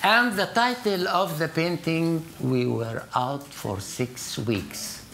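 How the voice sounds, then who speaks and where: An older man from Palestine with an Arabic accent, speaking English as a guest on stage in a lecture hall, telling stories with emphatic, animated delivery and many restarts. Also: a little high, slow pace, gravelly, slight background noise. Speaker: art collector, guest. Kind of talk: conversational storytelling on stage. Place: lecture hall with seated audience.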